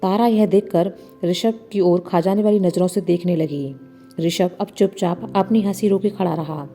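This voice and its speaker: A woman narrates a story in a very dark, mellow voice. She reads the figures' dialogue with only mild shifts in tone. Faint background music plays under her reading. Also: fairly low pitch, moderate pace. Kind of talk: scripted narration with light character voices. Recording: soft music bed behind the voice.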